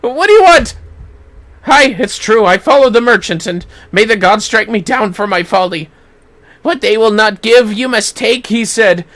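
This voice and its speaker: A man's voice: high-pitched, lively intonation, moderate pace, a bit bright. A performer voicing a traumatized male refugee in a fantasy game, terrified and pleading in a breathless ramble. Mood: shaken, urgent.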